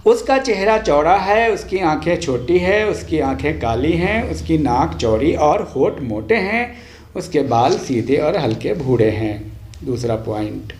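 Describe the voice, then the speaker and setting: Slow-paced man teaching, echoey room. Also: fairly high pitch, animated, a little mellow, a little hiss or hum. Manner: deliberate, instructive, enunciating line by line. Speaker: language teacher. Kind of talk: lesson, reading practice sentences aloud for learners.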